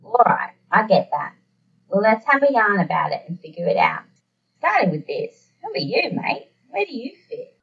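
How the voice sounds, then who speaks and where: A woman's voice: medium pitch, sing-song, moderate pace, creaky, distant mic, lo-fi sound. A woman voicing a laid-back Aboriginal Australian man who talks in a blunt, kindly, matey way for an audio story. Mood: softened, curious.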